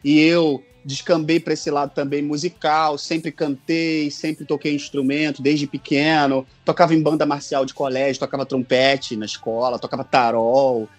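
A man with a Rio de Janeiro Brazilian accent, telling stories emphatically in a casual podcast chat, repeating phrases for effect, his voice slightly husky. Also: fairly high pitch, little pitch movement, moderate pace, few pauses. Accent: Rio de Janeiro Brazilian Portuguese. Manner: emphatic storyteller, repeats phrases and quotes others. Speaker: podcast guest, fan dubbing director and audio mixer.

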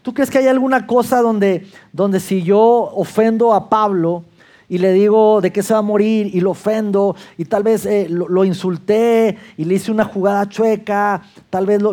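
A man's voice: high voice, moderate pace, mellow. A man in his fifties with a Mexican accent, preaching a sermon in a conversational way and acting out the prayers and voices he quotes. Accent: Mexican Spanish. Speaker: pastor.

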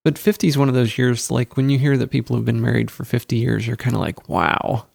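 A man's voice: medium pitch, steady tone, fast talker, creaky, no room sound, studio quality. A man co-hosting a podcast, chatting casually and rambling, often laughing. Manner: rambling, laughs often, breaks into a loud wedding DJ voice. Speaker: podcast co-host. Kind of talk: casual chat.

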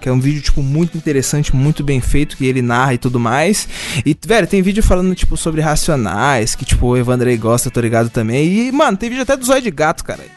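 Higher-voiced young Brazilian man, slangy. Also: animated, quick pace, soft background music. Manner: slangy, informal. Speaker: podcast co-host. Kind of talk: casual podcast chat.

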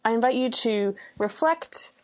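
A woman's voice: fairly high pitch, measured pace. American woman podcast host, noisy recording. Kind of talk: reflective podcast introduction. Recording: clear background noise with clicks.

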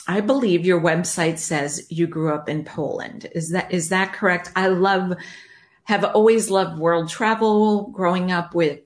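An upbeat American woman from the United States hosting a podcast interview, laughing easily as she talks. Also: fairly low pitch. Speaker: podcast host. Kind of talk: conversational interview.

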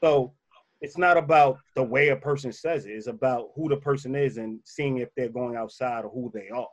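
A man with a slightly bassy voice talks through relationship advice in a loose, conversational way. He leans on his points and comes back to them again and again. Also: moderate pace, dull audio. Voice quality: a little bassy voice. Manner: emphatic, repeats key points. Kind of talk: casual advice talk.

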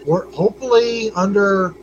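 A man guest speaks in an emotional, halting way, his voice pitched high. The sound is muffled and lo-fi, with clear noise behind it. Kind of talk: casual chat. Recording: dull noisy recording.

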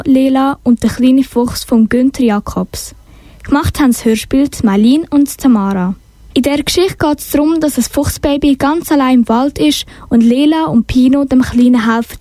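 A teenage girl presenting student radio. Her voice is high and mellow, and it sounds dry and close. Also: moderate pace, no room sound. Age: teens. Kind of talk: radio announcement.

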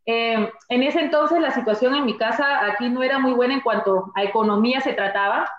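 A woman's voice: a little high, fairly quick, echoey room, muffled recording. An older Peruvian woman with a Peruvian accent, a grandmother answering interview questions cheerfully and with jokes. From Peru. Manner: cheerful, warm, joking. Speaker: guest coach.

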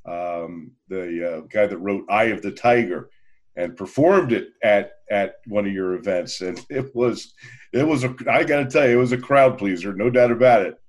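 A man's voice: on the low side, normal speed. A man hosting a conversational interview, feeling his way through sentences with hesitations and repeated words. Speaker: interviewer, host.

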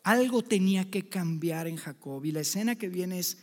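Man, preacher, sermon, high voice, dramatic loud and soft swings, long hall reverb. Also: moderate pace. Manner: dramatic, swings between loud emphasis and hushed lines; addresses listeners directly as friends.

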